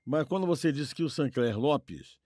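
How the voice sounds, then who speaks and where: A man's voice: fairly high pitch, expressive, moderate pace, a little mellow, dry recording. Brazilian man, discursive, dry close sound. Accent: Brazilian Portuguese. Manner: discursive, repeats himself, seeks agreement with tag questions. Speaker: podcast co-host. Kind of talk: casual discussion of radio history.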